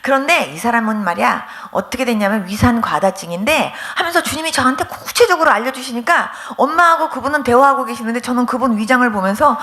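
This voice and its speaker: A woman pastor giving a testimony sermon, telling her story in a lively way and acting out the dialogues. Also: fairly high pitch, fast, few pauses.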